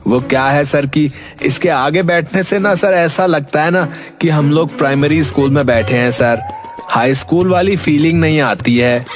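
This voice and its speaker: A man's voice: fairly high pitch, normal speed, lightly acted. Man voicing a sly cartoon schoolboy, wheedling, music behind. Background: background music.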